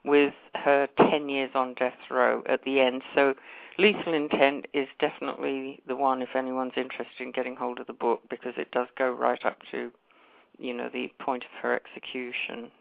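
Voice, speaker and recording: A woman with a faded London accent, speaking as an author guest. Her voice has a gravelly, fried edge, and she talks in a chatty way, correcting herself and laughing easily. The sound is dry and tinny, like a phone call. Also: a bass voice, little pitch movement, normal speed, no echo. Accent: London English, faded. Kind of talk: phone interview.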